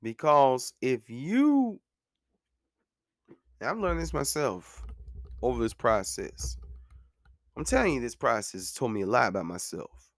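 A man in his late thirties, hosting a podcast and speaking in a relaxed, conversational way. He repeats himself with motivational drive to hammer a point home, at a middle pitch. The sound is dry and close, with no room echo. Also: unhurried, long pauses. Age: 30s. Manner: conversational, says "man" and "you know what I'm saying". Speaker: podcast host. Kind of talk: casual monologue.

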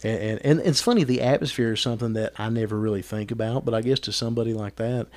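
A man hosts a loose, joking conversation. He talks quickly and rambles from one thought to the next, his voice sitting at an ordinary middle pitch. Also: fairly even intonation, darkish tone. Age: 40s. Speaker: podcast host. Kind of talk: casual chat.

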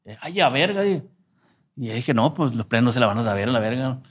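A man's voice: mid-range voice, lively intonation, a little fast, breathy edge. A man from telling a story in a casual interview, slangy and profane. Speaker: musician guest.

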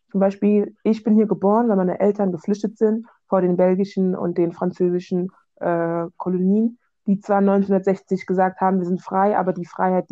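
A woman talking casually about her own views, often halting and searching for the right words. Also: medium pitch, dark tone, no echo, dull audio. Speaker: discussion participant. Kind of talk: casual personal discussion.

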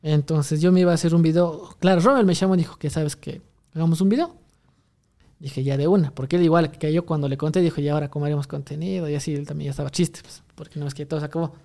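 A man's voice: on the high side, steady tone, fast talker, vocal fry, warm tone. A young man, rambling through a story in casual chat, full of restarts and fillers. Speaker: guest telling a story.

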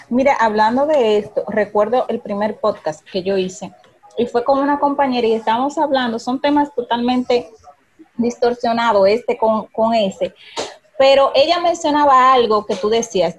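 A woman's voice: a little high, normal speed. A woman hosting a Christian podcast, affirming her guest and chatting casually. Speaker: podcast host.

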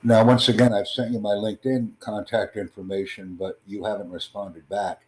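A man with a very deep, low voice hosts an online chat. He speaks in measured, formal sentences, pitching his ideas like a presentation. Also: level tone, a little mellow. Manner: formal, promotional, measured delivery. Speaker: host of online conversation. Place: in the United States.

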